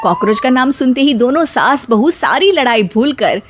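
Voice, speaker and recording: A woman giving scripted narration for a cartoon story, steady storytelling. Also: high-pitched, moderate pace, a little hiss or hum.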